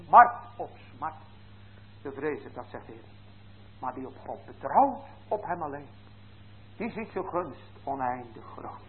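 A man's voice: a little high, sing-song, measured pace, pauses often. Man preaching over a tinny line. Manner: swings from quiet to raised emphatic appeals. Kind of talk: sermon. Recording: tinny phone-like church recording.

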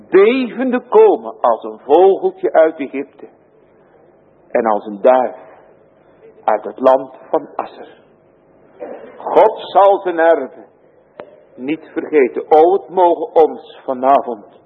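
A man preaching slowly and solemnly, his husky voice swelling to emphatic cries. The sound is thin and tinny, like a phone line, with a long hall reverb trailing each phrase. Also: medium pitch. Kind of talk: sermon. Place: church.

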